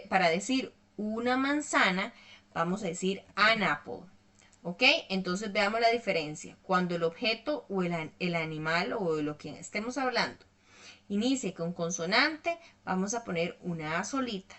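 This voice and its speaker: A woman's voice: medium pitch, expressive, normal speed, bright, forceful tone. A woman teaching an online English lesson, explaining patiently step by step and checking in often with her students.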